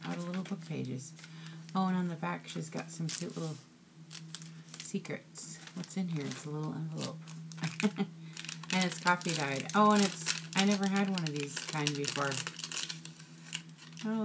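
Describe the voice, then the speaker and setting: A crafting vlogger with a lowish voice and vocal fry chats casually at normal speed while unboxing craft mail. Background noise can be heard, and she gushes "ooh" and "so cute" over every item.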